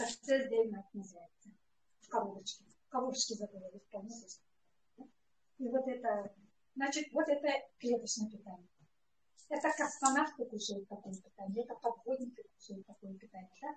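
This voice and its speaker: At a moderate pace, a woman with a fairly high pitch and ordinary pitch variation talks with long, frequent pauses and big swings in loudness. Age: 60s. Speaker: product distributor presenting at a sales event. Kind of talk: product presentation with personal testimony. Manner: halting, many fillers.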